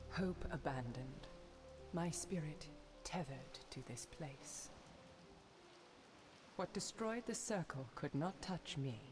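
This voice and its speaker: An actress playing a sorrowful, bitter female ghost in a video game, speaking in solemn, formal phrases. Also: deep voice. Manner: solemn, slow, mournful formal diction. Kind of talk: dramatic video game dialogue.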